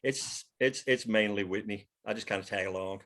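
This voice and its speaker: A man's voice: on the low side, moderate pace, a bit bright. A man chatting casually as he leads an informal group meeting after a script read-through. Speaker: show co-creator leading a table read meeting. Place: online video call.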